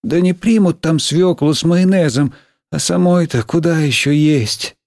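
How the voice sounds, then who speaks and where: A man reading an audiobook, voicing a middle-aged woman schoolteacher who is excitable and quick to anger, in a raised, shrill, scolding voice. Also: no room sound, studio quality, natural voice. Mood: pleading. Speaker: teacher.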